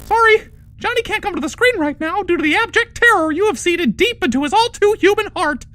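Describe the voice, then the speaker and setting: Very high, squeaky mocking messenger. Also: female voice, lively intonation, fairly quick, fairly bright tone, slight background noise. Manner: mock-formal, teasing.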